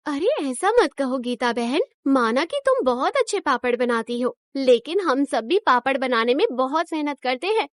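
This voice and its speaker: A woman voicing a friendly, even-tempered village woman who talks in a soothing, persuasive way in a cartoon story. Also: high-pitched, normal speed, few pauses, no echo, clean studio sound.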